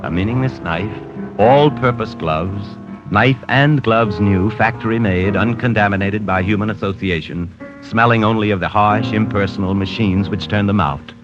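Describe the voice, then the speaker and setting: An actor playing a cold, precise male killer narrating his diary in a 1940s radio drama, calm, clipped and detached. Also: on the low side, normal speed, close to an everyday voice. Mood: cold, clinical. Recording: dull old radio broadcast with music.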